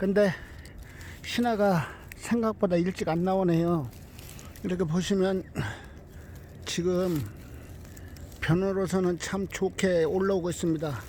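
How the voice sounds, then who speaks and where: Very slowly and with long, frequent pauses, a man speaks in a high voice with a dark, mellow tone and fairly even intonation. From Chungcheong, South Korea. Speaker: orchid hunter vlogger. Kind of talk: outdoor vlog narration.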